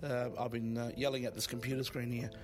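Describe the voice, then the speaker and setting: A man hosting a radio show, his voice slightly croaky, speaking haltingly with many pauses. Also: medium pitch, flat delivery. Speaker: host.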